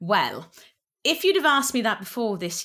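A woman speaks with a Welsh accent at a moderate pace, her tone animated, bright and sharp. The recording is very clean, with a silent background. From Wales. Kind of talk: casual interview chat. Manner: animated, laughs often.

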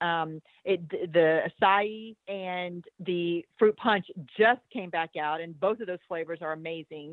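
An ordinary speaking voice, a woman's fairly low pitch moves along at a fairly slow pace with fairly even intonation and big swings in loudness. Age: 40s. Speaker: gym owner and fitness coach. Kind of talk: casual chat. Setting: phone call.

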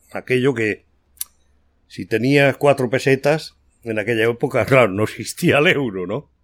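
A man talks at a moderate pace in a medium pitch with ordinary pitch variation. He pauses long and frequently. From Spain. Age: 60s. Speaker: host's father. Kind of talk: casual chat. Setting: studio.

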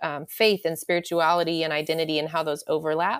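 A plain, everyday voice with an American accent, at a fairly quick pace, on a very clean recording with a silent background. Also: woman. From Oklahoma, New Mexico and Missouri (Joplin). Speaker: author and speaker. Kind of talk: interview conversation.

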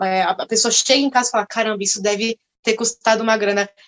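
An unremarkable speaking voice from a woman, fairly high-pitched and fairly quick. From São Paulo, Brazil. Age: 20s. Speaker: painter and art student. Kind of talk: interview.

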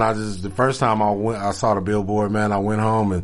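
Audible room echo surrounds a man's fairly low voice. He speaks at a fairly quick pace. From Arkansas, raised in Los Angeles. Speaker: actor. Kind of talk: casual chat.

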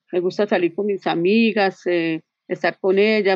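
This is an ordinary speaking voice at a fairly slow pace with fairly even intonation. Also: woman. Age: 60s. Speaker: retiree. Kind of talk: casual interview.

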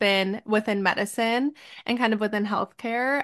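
Over a quiet background, a woman speaks with a bright, sharp tone and a fairly high pitch, her pitch varying in an ordinary way. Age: 20s. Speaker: PhD student and clothing brand founder. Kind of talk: casual interview chat.

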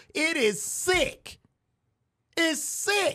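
At a very slow pace, a man talks with very wide pitch swings. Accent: American. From Chicago South Side. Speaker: guest and commentator. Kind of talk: heated debate, hammering each point over the other speaker, blunt and profane. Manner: forceful, loud, insistent, cutting in repeatedly.

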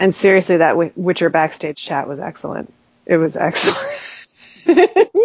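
A woman's fairly slow speech with big swings in loudness. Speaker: opera singer, voice actor and tabletop RPG streamer. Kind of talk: casual chat. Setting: video call.

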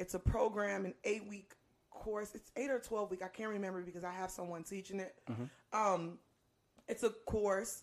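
A woman with an American accent speaks in an ordinary speaking voice at a medium pitch. Her pace is moderate and her pitch variation ordinary. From Chicago. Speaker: criminal defense attorney. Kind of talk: casual podcast interview.

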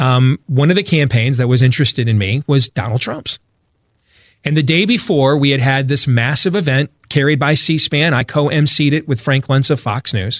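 With an American accent, a somewhat breathy man talks at a moderate pace and a fairly high pitch, his loudness very even and his pitch variation ordinary. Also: dry, close sound with no echo, quiet background. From Michigan, US Midwest. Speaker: talk radio host. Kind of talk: political talk radio.

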